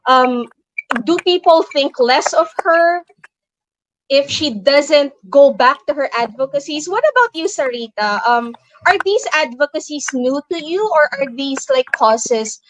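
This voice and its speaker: A woman's voice: high voice, animated, unhurried, no echo, rough recording. A young adult woman hosting a casual interview over a video call, chatty and curious, with many fillers. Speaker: host.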